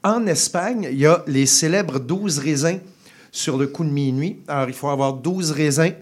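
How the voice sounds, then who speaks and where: A man's voice: a little high, moderate pace. A man giving a casual food column on the radio, playful and chatty, with frequent hesitations. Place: radio studio.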